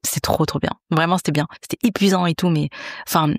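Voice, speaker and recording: A woman's voice: lowish voice, fairly even intonation, fast talker, no echo. A woman, hosting a podcast in a chatty, confiding way, full of fillers and restarts. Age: 30s. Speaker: podcast host. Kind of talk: casual chat.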